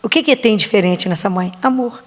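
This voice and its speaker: A woman giving a slow, reflective devotional sermon, often asking rhetorical questions. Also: medium pitch. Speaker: preacher. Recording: long hall reverb.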